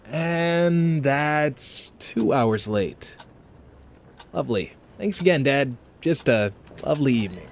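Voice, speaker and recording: A man's voice: medium pitch, animated, slow pace, long pauses, a little hiss or hum. A man playing a bitter, sarcastic son let down by his absent father, in a sullen audio drama delivery. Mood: bitter sarcasm.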